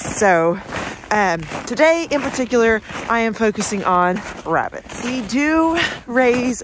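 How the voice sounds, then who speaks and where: A woman talks at a fairly slow pace with lively intonation, her dry sound showing no echo, though background noise is noticeable. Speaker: homesteader vlogger. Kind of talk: casual vlog chat. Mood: cheerful and upbeat. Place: farm machine. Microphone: phone near.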